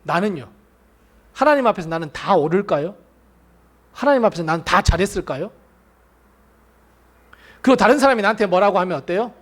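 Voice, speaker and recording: Male preacher, high and very expressive, acting out quotes mid-sermon. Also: brisk, long pauses. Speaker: pastor.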